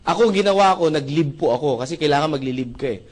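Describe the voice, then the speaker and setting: A man speaking at a seminar, telling a lively story. He acts out dialogue and often checks whether the audience agrees. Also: quick pace. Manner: animated, with jumps in pitch and loudness. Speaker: seminar speaker sharing his testimony. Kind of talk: motivational storytelling talk.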